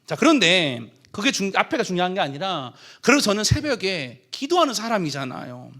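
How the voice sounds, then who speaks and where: High, lively young male pastor preaching. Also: a little fast. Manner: animated storyteller, acts out his own prayers and quotes. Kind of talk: sermon with personal story.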